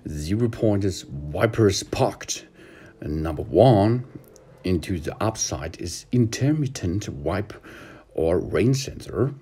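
A man's voice: low voice, mellow, breathy edge. A man giving a hesitant, methodical instructional walkthrough from inside a car, recorded on a handheld phone. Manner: hesitant, methodical, with many pauses. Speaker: car tutorial presenter.

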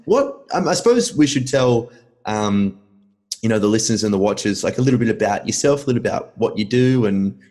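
A man's voice: on the low side, expressive, fairly quick, darkish tone. A man in his thirties hosting a casual interview podcast over a video call, friendly and a little hesitant with many ums. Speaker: podcast host. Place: home room, indoors. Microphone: video call with earphone mic.

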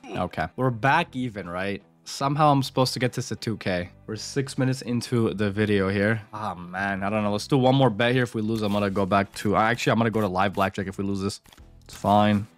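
A man streams casino games, speaking briskly in a lowish voice and swearing casually as he comments directly to his viewers while he plays. Faint music plays behind him.

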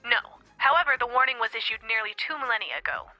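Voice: mid-range voice, big pitch swings, quick pace, bright, forceful tone, no room sound, dull audio, soft background music. A performer playing a dutiful, patient starship communications officer in a comic audio drama, heard through a telephone filter.

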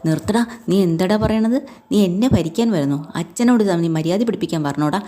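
A man's voice: high-pitched, animated, fairly quick. A woman voicing an angry, domineering older father who scolds his son in a retold family story. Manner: scolding, shouting demands.

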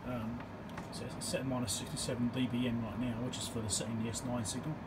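A man with a medium-pitched voice demonstrates a repair in a casual, hands-on way. He is matter-of-fact, explaining each step as he works at an indoor bench. The handheld camera's microphone picks up loud background noise along with him. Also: level tone, fast. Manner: matter-of-fact, talking through each step while working. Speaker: electronics repairer and video host. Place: indoor electronics workbench. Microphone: handheld camera or phone microphone.

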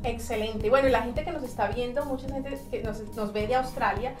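A woman in her thirties, an immigration agent, hosting a friendly interview in a small office and talking in a lively, emphatic way. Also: on the high side, a little fast, roomy sound, over music. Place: small office in front of posters.

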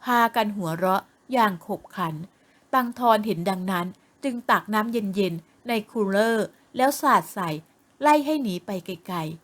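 A woman narrating an audio novel with lively, expressive storytelling. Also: medium pitch, moderate pace.

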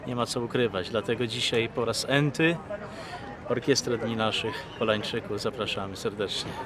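A man in his fifties talking casually in an outdoor interview, relaxed and chatty with fillers. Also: mid-range voice, normal speed. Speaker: band member interviewed. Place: outdoors by a lake. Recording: crowd noise behind.

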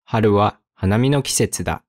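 A man gives a vocabulary lesson in a slightly low voice, repeating each word and example sentence with careful enunciation. The recording is close and dry, with no room sound around him. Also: a little mellow, no room sound. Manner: slow, careful enunciation with repetition. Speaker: Japanese teacher.

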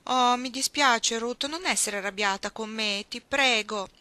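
A woman reading aloud, voicing Iggy, an impish tomboyish girl who pleads and teases in a raised, bright voice. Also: a little slow, no room sound. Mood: coaxing. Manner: insistent, coaxing, higher and louder than narration.

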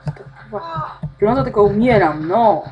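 A woman's voice: medium pitch, sing-song, a little slow, highs cut off, background noise. A woman playing a video game, talking to herself and swearing constantly as she gets lost and frustrated. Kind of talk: swearing gameplay commentary.

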